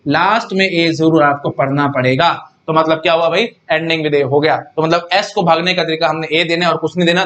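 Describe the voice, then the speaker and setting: High-voiced man teaching casually. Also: a bit bright. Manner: chatty, repeats himself, keeps asking students if they follow. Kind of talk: casual classroom lecture.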